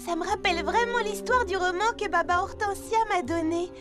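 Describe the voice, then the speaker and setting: A woman's voice: very high voice, a little fast. A woman voicing a bookish, helpful young girl who loves telling stories in a children's cartoon, over music. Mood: dramatic storytelling. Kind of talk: French children's cartoon dubbing. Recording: background music under the voice.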